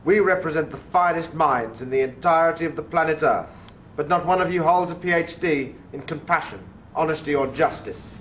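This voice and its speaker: Brief: man as an earnest official giving a speech, slightly high voice, some hiss. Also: normal speed, hardly any pauses, a bit bright, close to an everyday voice. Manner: frank, preachy, speechifying. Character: earnest male government official. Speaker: government representative. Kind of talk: 1950s B-movie acting.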